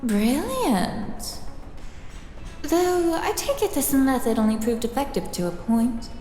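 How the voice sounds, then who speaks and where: A woman's voice: high-pitched, big pitch swings, takes it slowly, mellow, soft background music, heavily acted. A woman playing a ruthless, witty lead scientist in an audio drama, dry, imperious and formally spoken. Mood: coolly calculating. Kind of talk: first-person audio drama narration and dialogue.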